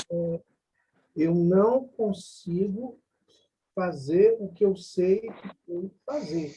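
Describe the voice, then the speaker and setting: Speaking at a very slow pace with long, frequent pauses, a man with a high pitch and a dark, mellow tone shows big swings in loudness and ordinary pitch variation. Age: 60s. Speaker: class participant. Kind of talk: personal sharing in class. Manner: halting, repetitive.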